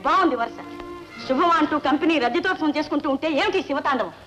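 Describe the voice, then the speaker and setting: A woman's voice: high-pitched, fast, a bit bright, faint music behind, poor audio. An actress playing a stern, domineering middle-aged mother-in-law who speaks with scorn and command. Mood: scornful.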